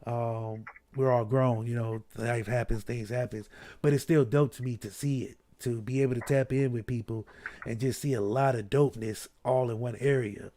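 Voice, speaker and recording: A man's voice: mid-range voice, steady tone, moderate pace, dark tone. A man from Ohio hosting a casual podcast chat, laid-back and slangy, a little stuffy. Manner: laid-back, slangy, repeats "you know what I mean". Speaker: podcast host.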